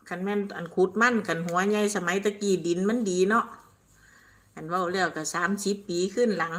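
A woman's voice: on the low side, fairly bright tone. An older woman with an Isan accent from northeastern Thailand, chatting casually on a live stream, reading out viewer comments, rambling and laughing often. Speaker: livestream host.

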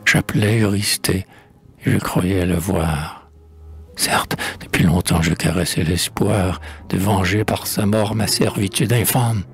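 A man reading as Hercules, deep and lamenting. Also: steady tone, a little slow, husky, exaggerated voice. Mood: haunted. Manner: solemn, lamenting recitation. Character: grieving guilt-stricken hero Hercules, adult man.

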